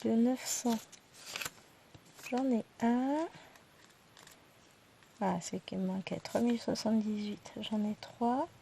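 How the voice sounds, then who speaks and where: A woman with a stuffy nose, casually counting her thread skeins aloud in slow, quiet numbers and chatting in asides. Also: fairly high pitch, creaky, a little hiss or hum. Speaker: cross-stitch YouTuber.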